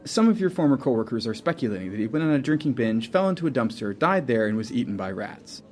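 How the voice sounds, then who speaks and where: An actor playing an earnest radio interviewer in an audio drama, asking formal, pointed questions. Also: male voice, medium pitch, sing-song, quick pace, a little mellow, natural voice. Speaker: interview show host.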